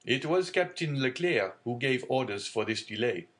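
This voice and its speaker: A man's voice: mid-range voice, lively intonation, normal speed, a bit bright, natural voice. A man voicing a genial, fatherly middle-aged shipowner.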